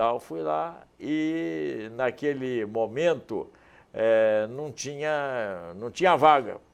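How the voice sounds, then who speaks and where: A man's voice with very wide pitch swings. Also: quiet background. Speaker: sports broadcaster. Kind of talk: interview answer.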